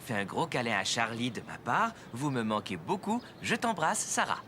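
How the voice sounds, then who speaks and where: A calm, friendly grown-up from a children's cartoon. The voice is low yet varied in melody, with slight noise in the background. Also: female voice, normal speed, exaggerated voice. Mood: calm, kind. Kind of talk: French-language children's cartoon dialogue.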